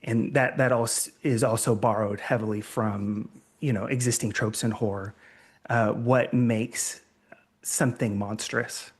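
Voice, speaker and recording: A man's voice: fairly low pitch, steady tone, measured pace, slightly rough. A man on a convention panel, methodically explaining his tabletop game design.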